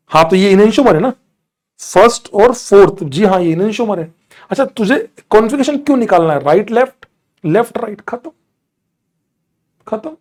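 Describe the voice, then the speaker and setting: A man teaching chemistry in a live online class, answering student doubts from the chat and scolding and teasing them as he goes. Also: sits high.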